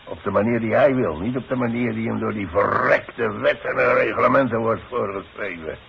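An actor playing a proud, grumbling old demolition worker forced into retirement, gruff and halting, in a 1960s radio play. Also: male voice, on the low side. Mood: resentful. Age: older. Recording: muffled, noisy 1960s radio broadcast.

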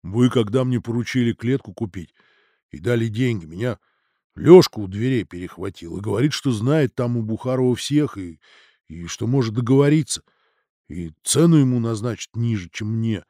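A man voicing a frightened tavern manager with a bass voice, speaking timidly, in an audiobook. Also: expressive, moderate pace, warm tone, no room sound, clean studio sound, close to an everyday voice. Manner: timid, low and subdued.

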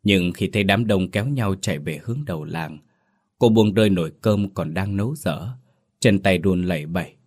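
A man's voice: low voice, moderate pace, darkish tone. A man narrating a tragic village ghost story in a solemn, mournful, scripted style.

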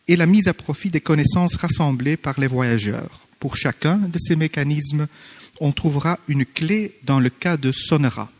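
A man who is not a native French speaker, formally reading a conference paper with hesitant pauses and self-corrections. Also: a little high, in a large hall. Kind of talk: academic conference paper read aloud. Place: conference hall.

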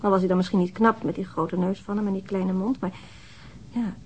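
An actress playing a guarded, halting, middle-aged widow in a naturalistic radio drama. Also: female voice, medium pitch, fairly even intonation, darkish tone, muffled recording, a little hiss or hum, lightly acted. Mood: halting, wistful. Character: guarded, widowed older housewife who minds children.

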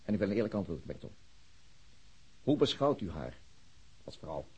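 A low, husky, stern detective. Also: male voice, big pitch swings, normal speed, a little mellow, full character voice, rough recording. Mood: pressing. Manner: formal, insistent questioning. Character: stern, probing male police detective, formal and dogged. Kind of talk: radio drama acting.

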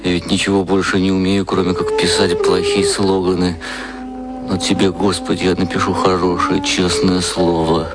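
Low-voiced, earnest young copywriter. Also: male voice, flat delivery, normal speed. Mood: pleading, contrite. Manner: earnest, self-deprecating. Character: eager, insecure, hungover male copywriter. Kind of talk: radio play acting.

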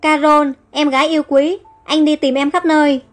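A woman's voice: sits high, fairly even intonation, moderate pace, lightly acted. A woman voicing an earnest young man protective of his sister in a storybook reading, over faint background music. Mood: moved. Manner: earnest, reassuring. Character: devoted young elder brother, earnest and protective.

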